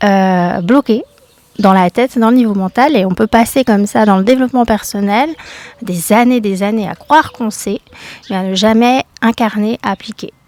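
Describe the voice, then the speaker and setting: A woman speaks with a fairly high pitch and ordinary pitch variation at a moderate pace. The sound is dry and close, with no echo. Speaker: podcast host. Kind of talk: reflective podcast monologue. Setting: outdoors in her garden. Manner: hesitant, many filler sounds.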